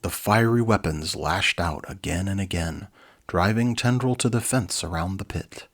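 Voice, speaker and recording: Deep, husky man reading a storybook. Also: normal speed. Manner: easygoing, informal. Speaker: storybook reader and presenter. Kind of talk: dramatic reading with casual asides.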